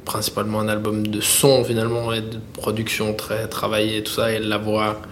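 A man who is a musician answering interview questions in French, talking in a halting way with many fillers and restarts. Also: fairly low pitch, monotone, a little hiss or hum. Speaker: musician guest.

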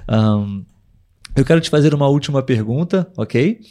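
A man hosting a live podcast, talking patiently and clearly with listeners over a video call. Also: medium pitch, expressive, dark tone. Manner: patient, clear, slowed for learners. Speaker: podcast host.

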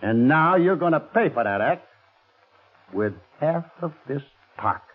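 Scheming carny ex-con, rough slangy talk, husky, swoops around, muffled old 40s radio show. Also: male voice, fairly high pitch, expressive, a little slow. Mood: gloating, taunting. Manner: rough slangy uneducated speech. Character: shady carnival gorilla-show man, scheming blackmailing ex-convict. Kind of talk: 1940s radio crime drama acting. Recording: muffled vintage 1940s radio recording.

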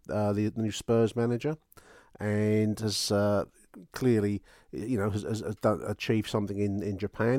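Deep-ish dry-sounding man, rambling podcast host. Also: a little mellow, no room sound. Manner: wry, rambling, repeats phrases. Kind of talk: chatty fan podcast commentary, addressing listeners.

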